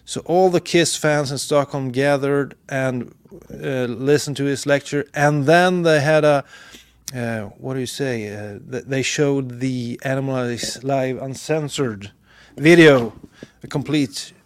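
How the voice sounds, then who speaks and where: A male podcast host from Sweden in casual live chat, rambling and trailing off into quiet asides. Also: mid-range voice, takes it slowly, clean tone, no echo.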